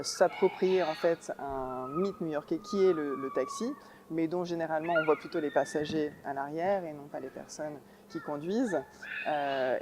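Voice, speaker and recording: A woman in her thirties from New York, a documentary filmmaker giving a thoughtful interview answer, pausing often to search for words. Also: low-pitched, background noise. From New York, United States.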